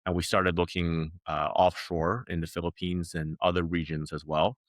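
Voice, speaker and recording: A man from China, a guest, speaking in a relaxed, candid interview manner with many "like"s. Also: deep voice, normal speed, no room sound, studio quality. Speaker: guest, company founder. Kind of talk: casual interview talk.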